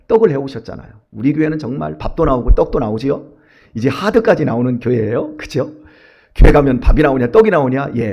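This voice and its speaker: A male pastor preaching an early-morning sermon, telling a personal story and acting out his own thoughts and prayers with animated delivery. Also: a little high, slightly rough.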